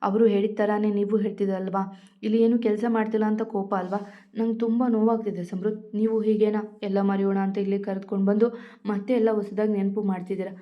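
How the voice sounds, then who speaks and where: A woman's voice: medium pitch, little pitch movement, brisk, close to an everyday voice. A woman voicing a hurt, tearful young pregnant wife, pleading as she reads. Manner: pleading, emotional storytelling reading. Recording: dull lo-fi audio.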